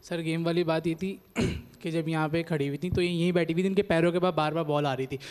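A man's voice: a little high, steady tone, a little fast, a little mellow, clean tone, long reverb tail. A man contestant with a Pakistani Urdu accent, insisting on his side and talking over others.

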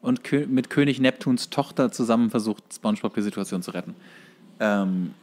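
A man's voice: fairly low pitch, normal speed, a little mellow. A man co-hosting a podcast, chatting casually as he retells cartoon episodes. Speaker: podcast co-host.

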